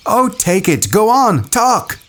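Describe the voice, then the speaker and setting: A man voicing a headstrong, contemptuous boy in an audiobook, talking forcefully and insistently. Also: sits high, big pitch swings, slow, voice pushed up, full character voice. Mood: defiant. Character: headstrong boy hunter leader, contemptuous and defiant.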